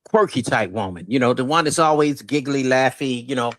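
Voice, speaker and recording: A man's voice: medium pitch, fairly quick, a bit bright, no room sound. A man on a casual panel discussion, handing out advice in a descriptive way.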